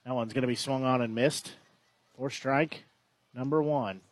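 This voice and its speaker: A man's voice: mid-range voice, fairly even intonation, a little slow, no echo. A man calling a baseball game play by play, chatty and often correcting himself. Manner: conversational, self-correcting. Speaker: play-by-play announcer. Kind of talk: baseball commentary.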